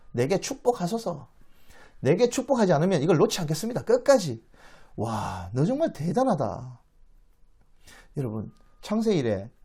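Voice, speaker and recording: This man's voice is a little high and slightly rough as he gives an animated Bible lecture in the form of a dramatic story. He performs the quoted lines and asks his audience questions.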